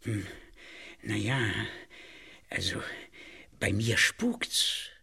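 An actor playing a hesitant, worried older client in a German radio play, with a gravelly, husky voice. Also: male voice, fairly low pitch, very animated, bright, forceful tone, exaggerated voice. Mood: hesitant, uneasy. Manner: hesitant, halting.

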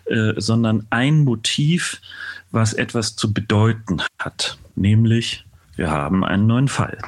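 A man's voice: fairly low pitch, measured pace. A man talking casually as a composer being interviewed, explaining things demonstratively and acting out his thoughts. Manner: animated explaining, acts out thoughts, hums motifs. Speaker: composer, podcast guest.

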